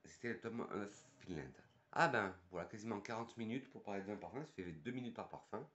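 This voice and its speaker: Chatty French perfume vlogger, lowish voice. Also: male voice, brisk, fairly bright tone, dull audio. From France. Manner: chatty, thinks aloud with fillers and restarts. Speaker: perfume youtuber and sales advisor. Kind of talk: casual perfume review, reading box texts aloud.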